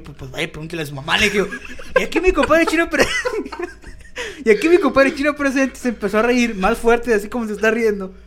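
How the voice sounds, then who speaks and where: A young man with a Mexican accent chats on a casual podcast, racing through his anecdotes. His voice sits fairly high, and he acts out every quoted line in a slangy, animated way. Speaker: podcast co-host. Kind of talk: casual chat, storytelling.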